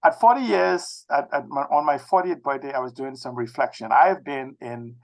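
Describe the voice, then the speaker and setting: A man in his sixties from the Bahamas with a Bahamian accent, talking as an interview guest in a halting, circling way with repeated phrases. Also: mid-range voice, creaky. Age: 60s. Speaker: interview guest, technology expert. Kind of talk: conversational autobiographical interview talk.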